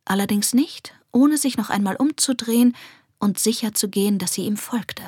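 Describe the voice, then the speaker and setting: A woman narrating a children's fantasy story softly and expressively, often dropping to a whisper. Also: mid-range voice, normal speed, breathy edge, dry recording, clean studio sound. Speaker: audiobook narrator.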